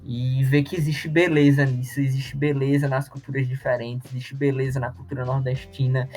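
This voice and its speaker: A man co-hosting a podcast, speaking in a reflective, halting way. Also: mid-range voice, flat delivery, a little mellow, soft background music. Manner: reflective, halting, tags with sabe. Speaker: podcast co-host. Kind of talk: casual chat.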